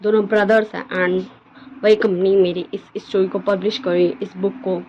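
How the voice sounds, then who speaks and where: A woman voicing a soft-spoken young man who reassures his friend. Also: mid-range voice, level tone, moderate pace, highs cut off, slight background noise, natural voice. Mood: gentle.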